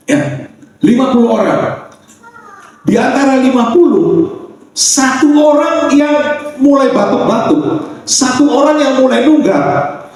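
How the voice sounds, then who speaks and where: A man preaching a sermon in a chatty, joking storytelling manner, with asides to the congregation. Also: very high voice. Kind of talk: sermon with personal stories. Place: church sanctuary. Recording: very echoey church hall, voice from far off.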